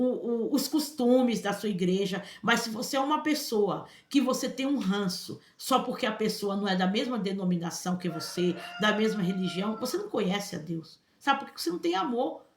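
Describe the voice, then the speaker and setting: A Brazilian woman speaks her mind in an emphatic vlog, her voice sitting a little high for a woman. She keeps pulling the listener in with quick asides and checks. The room gives her voice a noticeable echo. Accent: Brazilian Portuguese. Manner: emphatic, keeps addressing listeners with "gente" and "entendeu?". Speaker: vlogger. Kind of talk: emphatic personal commentary to camera.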